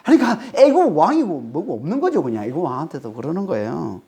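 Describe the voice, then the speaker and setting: A man from Korea preaching an expository sermon, emphatic and animated, repeatedly checking in with the congregation. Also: a little high, fast, vocal fry. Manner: emphatic, keeps asking the congregation "eh?"; animated, rises sharply when dramatizing. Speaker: pastor.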